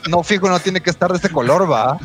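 A man telling a road-trip story on a podcast, animated and profane. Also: high voice, fairly quick, husky, faint music behind. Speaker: podcast host. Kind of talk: casual storytelling chat.

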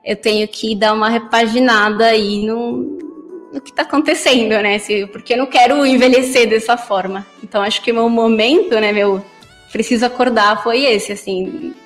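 This is a young woman from Colombia, guesting on a podcast and speaking frankly with a slightly high voice. Her words come in quick bursts. Her voice rings out with a long reverb, and faint music plays underneath. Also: steady tone. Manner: candid, laughs at herself, talks fast in bursts. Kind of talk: casual interview answers.

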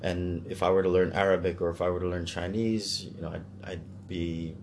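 A man's voice: sits low, level tone, brisk, darkish tone, a little hiss or hum. A Canadian man talking casually in a discussion, hesitant as he thinks aloud.

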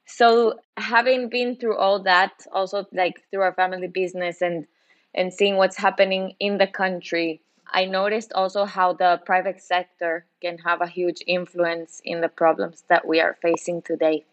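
A woman's voice: on the low side, flat delivery, normal speed. Earnest woman guest on muffled audio. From Guatemala. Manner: earnest, with occasional restarts. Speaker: podcast guest. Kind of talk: conversational interview answers.

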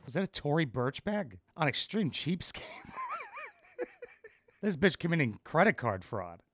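A man's voice: a little high, sing-song, moderate pace, a bit bright, a little hiss or hum. A man hosting a podcast, sarcastically mocking and cursing at a reality TV clip in casual commentary. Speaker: podcast host reacting to a TV clip.

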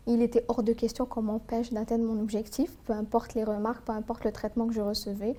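A woman's voice: a little high, level tone, fast, dark tone. A woman, a guest in an interview, speaking earnestly and thoughtfully with frequent hesitations. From Algeria. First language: Algerian Arabic. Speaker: guest, tax lawyer. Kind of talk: personal interview, recounting her life.

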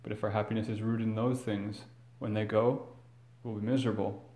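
Recorded with cathedral echo in a large church, this is a man serving as priest who reads the Gospel before preaching a homily. He sounds measured and earnest, with some fillers and restarts, and his mellow, lowish voice moves little in pitch.

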